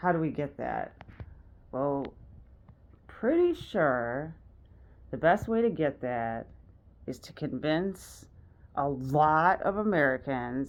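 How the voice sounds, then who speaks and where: A woman speaks with vocal fry and a very deep, low pitch, her intonation lively against a quiet background. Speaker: activist. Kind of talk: casual monologue. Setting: at home doing dishes. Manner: halting.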